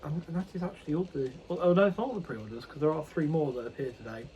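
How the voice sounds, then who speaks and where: A man's voice: on the high side, quick pace, mellow, highs cut off, a little hiss or hum. A man casually vlogging about his model railway hobby, rambling and correcting himself with many ums. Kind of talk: casual unboxing chat.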